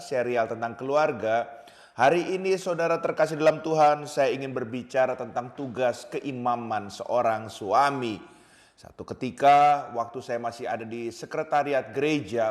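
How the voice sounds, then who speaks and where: A man's voice: medium pitch, long reverb tail. A man preaching a sermon as a pastor, often turning to his listeners and telling a story from his church work. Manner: addresses listeners as "saudara" often, tells stories with acted quotes.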